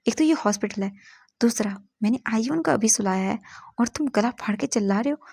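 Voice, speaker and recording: A woman's voice: fairly high pitch, creaky, a little mellow, breathy edge, no echo, studio quality. Woman doing a brash teasing young man. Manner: playful, mocking, quick retorts.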